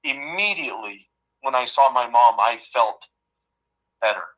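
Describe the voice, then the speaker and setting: Heartfelt bright-voiced man of fifty. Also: medium pitch, lively intonation, rough recording. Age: 50s. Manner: heartfelt, halting, repeats himself. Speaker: guest. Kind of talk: emotional personal storytelling.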